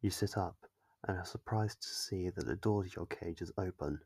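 Male narrator for ASMR horror story: deep, husky, close and dry on the mic. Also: moderate pace, darkish tone, dry recording. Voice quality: low, gravelly, husky. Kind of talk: scripted second-person ASMR horror narration. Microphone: close, dry microphone.

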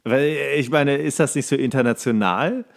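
A man co-hosting a podcast speaks at a middle pitch. His talk is casual and joking, and he likes to act out imagined quotes with some mockery. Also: moderate pace. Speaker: podcast co-host.

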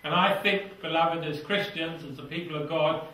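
Older British male preacher, fervent, drops to a hush at phrase ends; distant, very reverberant hall. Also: on the high side, fairly even intonation, moderate pace. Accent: British English. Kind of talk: sermon with scripture reading. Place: small church hall with seated congregation. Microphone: lapel mic. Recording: echoey hall, somewhat far from mic.

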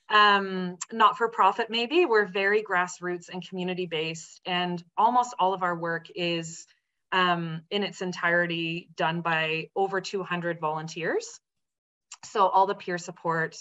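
A woman's voice: fairly low pitch, bright, forceful tone. A woman in her thirties from the Netherlands, a guest speaking earnestly over a video call with frequent ums and restarts. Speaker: guest, executive director of a women's centre. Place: home room with colourful art on walls. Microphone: laptop webcam video call. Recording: dull lo-fi video call audio.

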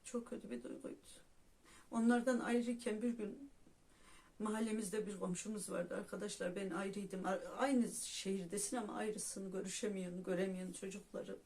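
A woman's voice: medium pitch, fairly even intonation, normal speed, a little mellow. Heartfelt woman telling a personal story. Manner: heartfelt, religious, addresses viewers as friends. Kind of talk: emotional personal storytelling to viewers.

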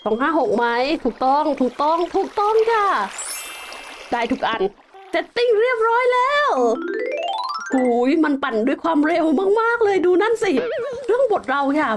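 A young woman giving casual, excitable gameplay commentary as a game host, full of exclamations. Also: extremely high pitch, normal speed, music in the background.

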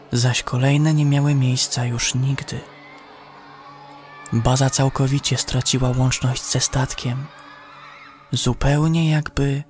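A man narrating a scripted sci-fi horror audio story in a solemn, measured way. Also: medium pitch, slightly rough. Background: music behind the voice.

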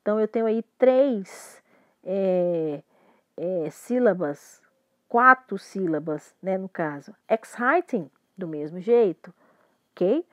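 Brazilian woman teacher, patient explainer, dry close sound, mid pitch. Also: expressive, takes it slowly, no echo, muffled recording. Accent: Brazilian Portuguese. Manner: patient, repeats and checks understanding. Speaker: English teacher. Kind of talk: explaining grammar.

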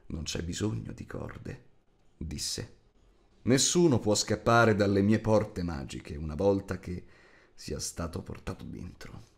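Male narrator, lowish pitch, dramatic scripted reading for a fantasy audiobook. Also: darkish tone.

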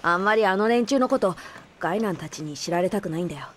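A woman voicing a cocky young male boss with rough, casual boyish speech in an audio drama. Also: fairly low pitch, animated, fast talker, fairly bright tone. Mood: brisk, frank. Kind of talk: anime-style audio drama acting.

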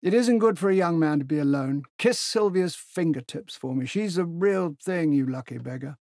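Man reading as a hearty old general, bluff, stammers, higher voice, dry studio sound. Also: moderate pace, darkish tone, no room sound, close to an everyday voice.

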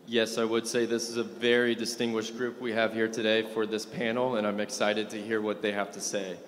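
A man's voice: lowish voice, little pitch movement, fairly quick. Young man moderating a panel. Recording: reverberant conference hall.

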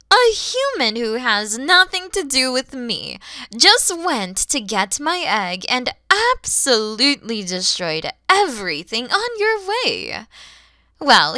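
Centuries-old dragon mother played by a woman for ASMR roleplay: proud but kind, unhurried, very expressive pitch, breathy touches. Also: dry recording, studio quality, exaggerated voice. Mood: incredulous, questioning. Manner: breathy, often dropping into whispers, theatrical pauses.

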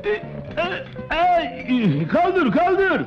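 A bossy Black Sea mechanic. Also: male voice, very high-pitched, wildly swooping pitch, extremely slow, heavily acted. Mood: impatient. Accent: Black Sea Turkish. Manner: bossy, yelling orders. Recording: dull old film soundtrack with music.

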